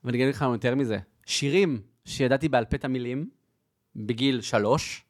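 A young man chatting as a podcast guest, telling lively stories and laughing often. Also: mid-range voice. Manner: lively storyteller, laughs often, switches into Spanish phrases. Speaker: podcast guest, content creator. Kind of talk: casual chat.

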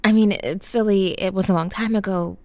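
A woman's voice: mid-range voice, steady tone, warm tone, no room sound, studio quality, close to an everyday voice. An actress playing a struggling mother who calls for housing help, speaking hesitantly. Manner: hesitant, halting, unsure. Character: struggling hesitant adult mother behind on rent. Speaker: caller.

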